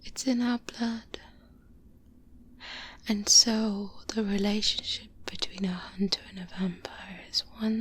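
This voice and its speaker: A woman playing a seasoned vampire hunter, a calm and protective mentor, in a soft-spoken ASMR roleplay, hushed and breathy, close to the microphone. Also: mid-range voice, a little hiss or hum. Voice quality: breathy, whispery. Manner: slow, deliberate, hushed, with long pauses. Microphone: close-up binaural microphone.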